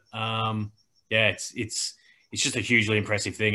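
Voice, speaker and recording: A man talks in a bright, sharp tone at a fairly low pitch. The background is quiet. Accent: Australian. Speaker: former expat footy club player. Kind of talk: casual chat.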